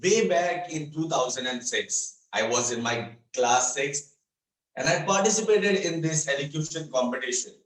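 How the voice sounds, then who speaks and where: Male contest speaker, fairly high voice, slow emphatic stage delivery, recorded in a reverberant room. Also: expressive, a bit bright. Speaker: speech contestant. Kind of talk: rehearsed motivational contest speech. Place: indoor room on a video call. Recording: echoey room, distant microphone, online meeting.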